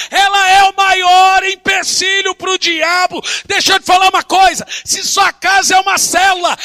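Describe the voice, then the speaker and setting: Fervent pastor shouting in a hall. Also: male voice, extremely high pitch. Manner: impassioned, preaching in bursts and shouts. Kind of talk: sermon. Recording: reverberant hall with music behind.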